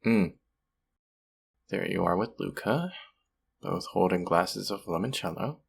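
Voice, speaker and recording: A man acting a friendly, sympathetic young man in an intimate, conversational audio roleplay, speaking gently and at times hesitantly. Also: unhurried, a little hiss or hum. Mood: surprised. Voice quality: low, gravelly, husky.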